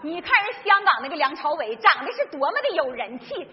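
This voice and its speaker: An actress playing an exasperated middle-aged wife in a stage comedy sketch, nagging with projected, emphatic delivery. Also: female voice, high-pitched, big pitch swings, a little fast, a faint crowd. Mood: exasperated scolding. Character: exasperated, scolding middle-aged wife of a hapless factory worker. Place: large theater stage before a live audience. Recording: echoey theater stage, muffled, noisy audience.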